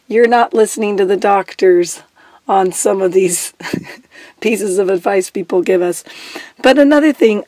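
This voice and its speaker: A woman's voice: medium pitch, no room sound. A woman who has lost her voice, hosting a solo advice podcast as a divorce coach, chatty and direct and laughing between her points.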